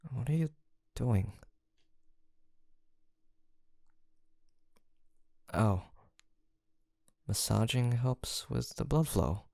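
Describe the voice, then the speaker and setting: A man's voice: medium pitch, vocal fry, no echo, clean studio sound, full character voice. A young man playing a college-aged best friend in an intimate audio roleplay, teasing and affectionate in a casual, playful way. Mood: easygoing banter. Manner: casual, playful, murmured hesitations and soft laughs.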